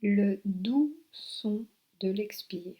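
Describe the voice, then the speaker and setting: A woman guiding a yoga relaxation meditation as an instructor, giving soothing, unhurried instructions with long pauses. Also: medium pitch, expressive. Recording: soft new-age music behind. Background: new-age relaxation music.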